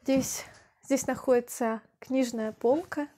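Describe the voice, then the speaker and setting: A young woman vlogging with a camera held at arm's length, calmly explaining as she walks through a country house and its yard, speaking slowly and clearly for language learners. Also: sits high. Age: young adult. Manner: calm, unhurried, deliberate explaining. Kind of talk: slow, clear Russian for learners. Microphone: handheld camera at arm's length.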